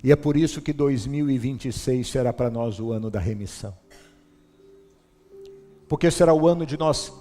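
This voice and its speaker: A male pastor preaching a sermon, urging his congregation and swinging from loud to soft. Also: fairly high pitch, in a large hall.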